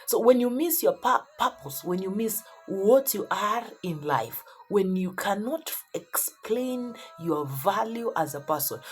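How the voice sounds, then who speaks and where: A woman's voice: mid-range voice, darkish tone. A woman preaching a motivational Christian sermon, speaking emphatically and repeating phrases for effect.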